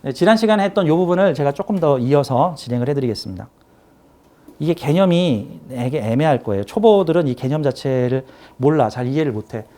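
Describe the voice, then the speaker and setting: A man's voice: on the high side, expressive, brisk, mellow. A man teaching a saju class, explaining a chart with emphatic, repetitive pointing phrases. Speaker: saju lecturer. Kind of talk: classroom lecture.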